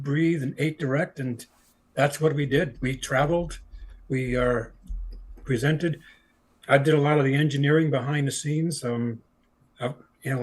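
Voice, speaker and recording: A man's voice: medium pitch, breathy edge. An older man, a retired structural engineer, introducing himself earnestly with stammered repeats. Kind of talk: casual introduction.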